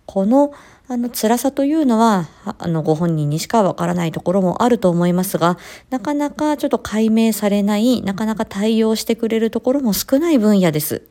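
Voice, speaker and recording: A woman who works as a speech-language-hearing therapist introduces a rebroadcast episode of her podcast, speaking politely with frequent filler pauses. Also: mid-range voice, lively intonation, mellow.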